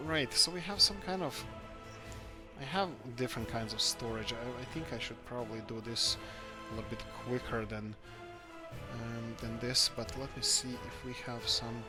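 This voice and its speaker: A man from Croatia, hosting a let's-play game video and thinking aloud as he builds, often searching for words. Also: mid-range voice. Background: background music.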